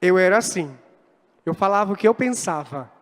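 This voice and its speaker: A male pastor preaching a lively sermon, acting out quoted dialogue as he speaks. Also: high voice, moderate pace. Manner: animated, acts out quoted dialogue. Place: church hall. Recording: long church reverb.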